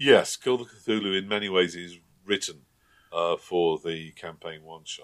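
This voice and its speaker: At a fairly slow pace, a man talks in a very deep, low pitch with big swings in loudness. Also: ordinary pitch variation. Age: 60s. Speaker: podcast host. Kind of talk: casual chat.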